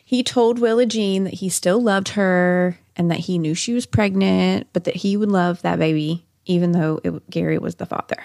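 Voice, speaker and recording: A woman's voice: lowish voice, steady tone, moderate pace, creaky, hardly any pauses, a little mellow, no echo. Woman telling true-crime stories, close dry sound. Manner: chatty asides amid narration. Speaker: podcast host. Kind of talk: conversational true-crime storytelling.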